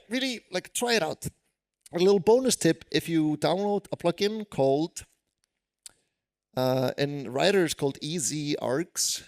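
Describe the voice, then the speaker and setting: Man, icelandic accent, programmer at a conference talk, slightly high voice, chatty with lots of fillers. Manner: chatty, self-deprecating, many fillers. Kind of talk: live conference tech talk. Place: conference hall stage.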